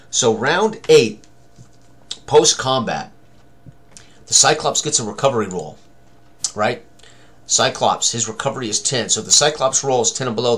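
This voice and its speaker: Male, 60s, mid-pitched. Casual game tutorial host, running commentary in short fragments. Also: fairly bright tone. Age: older, around 60s. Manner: talks in short fragments, narrating each step. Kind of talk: casual tutorial commentary while rolling dice. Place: small room indoors at a computer.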